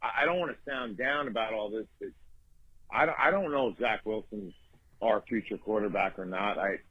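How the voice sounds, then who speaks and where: A man leaves a voicemail, halting and restarting as he talks. His voice is husky, and the phone recording sounds dull, lo-fi and dry. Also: lowish voice, dry recording. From Long Island, New York. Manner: hesitant, halting with repeated restarts. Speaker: caller.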